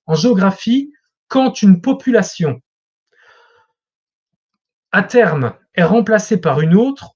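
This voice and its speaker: A man's voice: high-pitched, darkish tone, lo-fi sound. A man speaking as a guest expert in an interview, explaining things in a lecturing way as if to students.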